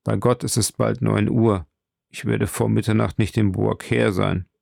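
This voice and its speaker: A man voicing a calm, gravelly jeweler. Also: on the low side, unhurried, no room sound, studio quality, heavily acted. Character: calm, self-assured male jeweler. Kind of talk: audiobook reading.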